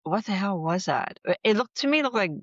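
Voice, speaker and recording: A woman's voice: mid-range voice, expressive, quick pace, no echo. A woman hosting a podcast, casually recapping a soap opera in a frank, chatty way with plenty of fillers. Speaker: podcast host. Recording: dull lo-fi sound.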